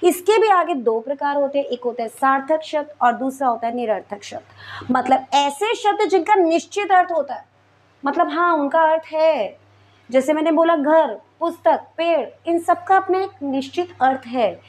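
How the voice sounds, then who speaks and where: A woman's voice: sits high, animated, moderate pace. A woman teaching a Hindi grammar lesson to school students, patient and step by step, often checking in with her class. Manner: patient, explains step by step and checks in with "theek hai".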